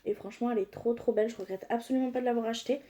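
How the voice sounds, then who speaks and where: A young woman chats enthusiastically through a makeup review, stopping often on small fillers. Her voice sits a little high but sounds soft and mellow. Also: fairly even intonation, very fast. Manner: chatty, enthusiastic, frequent "euh" fillers. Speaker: beauty vlogger.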